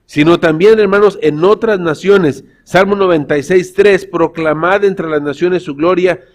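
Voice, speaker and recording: In a high-pitched voice and at a measured pace, a pastor preaches to his church. His sermon is full of stories, and he calls the congregation brothers.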